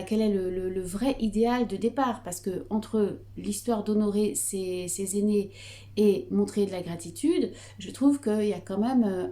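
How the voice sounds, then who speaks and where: French woman with a Breton accent, Reiki teacher, calm, hesitant, soft mellow tone, middle-aged. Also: medium pitch. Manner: calm, hesitant with frequent fillers. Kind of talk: explanatory video lesson.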